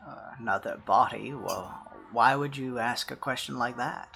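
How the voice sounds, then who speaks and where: A man's voice: medium pitch, normal speed, creaky, pushed and bright, a little hiss or hum. A man voicing a jittery, polite lab scientist who stammers and repeats himself in a tabletop game. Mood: flustered.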